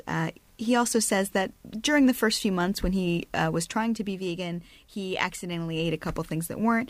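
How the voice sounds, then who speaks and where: A woman's voice: on the low side, no echo. Chatty woman podcast host, dry sound. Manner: chatty, reads listener excerpts aloud. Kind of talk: casual chat.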